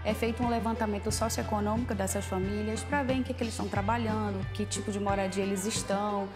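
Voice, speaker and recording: A woman's voice: medium pitch, steady tone, fast, over music. A woman on school staff with a Brazilian accent, speaking reflectively in a documentary interview and often adding "né". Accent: Brazilian Portuguese. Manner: reflective, with frequent "né".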